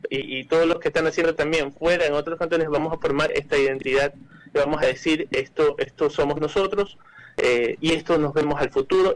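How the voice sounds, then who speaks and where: An Ecuadorian man speaks as an interview guest, his voice sitting a little high for a man. He explains his views at length, often hesitating with fillers, restarting phrases and repeating words. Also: rough recording. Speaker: cultural manager, interview guest.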